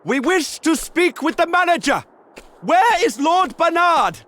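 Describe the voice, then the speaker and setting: A woman's voice: extremely high pitch, big pitch swings, unhurried, a bit bright, slight background noise, heavily acted. An actress playing an earnest, polite townswoman in a video game, formal and pleading. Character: earnest, polite female townsperson petitioning a lord.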